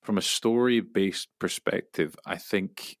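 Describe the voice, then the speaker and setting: A man talking as an interviewed voice actor, casual and reflective, often pausing and restarting his thoughts. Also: low-pitched, dry recording, studio quality.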